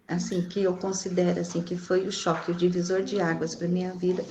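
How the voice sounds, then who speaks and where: Low gravelly woman reflecting. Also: flat delivery, fairly quick, dark tone. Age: 40s. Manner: reflective, many fillers like "né" and "assim". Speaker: interviewee. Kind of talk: casual conversational interview. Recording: faint background noise.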